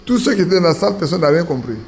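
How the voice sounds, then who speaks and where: A man's voice: on the high side, big pitch swings, rapid-fire, creaky, slight background noise. A man preaching an informal sermon to his church, talking casually and asking the congregation questions. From Ivory Coast. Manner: conversational, asks the congregation questions. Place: church assembly.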